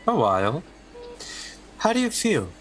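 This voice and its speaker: A man playing an unflappable doctor in a drama, asking measured, persistent questions. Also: fairly high pitch, huge pitch swings, faint music behind. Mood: calm, probing. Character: probing, unflappable male doctor questioning a patient. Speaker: actor in a recorded play.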